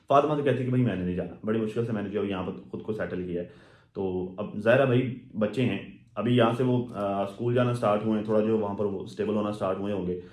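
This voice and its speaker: A man's voice: lowish voice, darkish tone. A man giving casual, rambling commentary on social media gossip, full of fillers and asides. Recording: echoey room.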